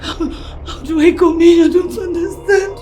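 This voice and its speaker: A woman's voice: very high-pitched, steady tone, measured pace, dark tone, soft background music. An actress playing a terrified young woman who begs for her father's life. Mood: pleading. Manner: pleading, frantic. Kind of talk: film drama acting.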